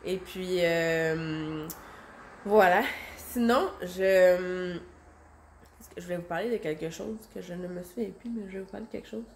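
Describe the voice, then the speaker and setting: Chatty Québécois mom with a stuffy nose. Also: female voice, fairly low pitch, a little slow, a little hiss or hum. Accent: Québécois French. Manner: chatty, rambling, lots of fillers. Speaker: vlogger, stay-at-home mom. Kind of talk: casual chat to camera. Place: home, indoors. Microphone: handheld phone.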